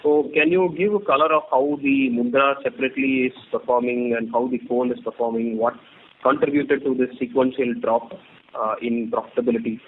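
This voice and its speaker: A man asking halting, careful questions as an analyst on an earnings call, speaking over a phone line and sounding distant. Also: medium pitch, fairly even intonation. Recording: tinny phone line with faint hiss, distant.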